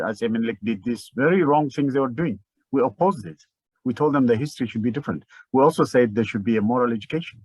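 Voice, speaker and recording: An older man from Ethiopia with an Ethiopian accent, giving impassioned interview commentary in a halting, repetitive, emphatic way. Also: mid-range voice, no echo, rough recording.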